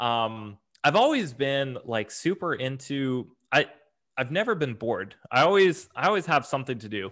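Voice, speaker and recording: A man's normal speaking voice with a General American accent, fairly high in pitch, at a moderate pace with lively intonation. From USA, military family moving often. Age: 20s. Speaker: travel podcaster and content creator. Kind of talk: casual interview chat. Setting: video call.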